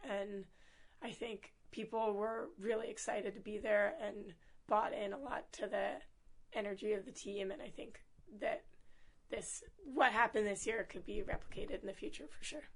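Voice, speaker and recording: A young woman with a hoarse voice talks casually as a student team captain in an interview. She is upbeat and chatty, laughing often and filling pauses with "um" and "like." Her pitch sits in a middle range. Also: fairly even intonation, low-quality recording. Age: young adult.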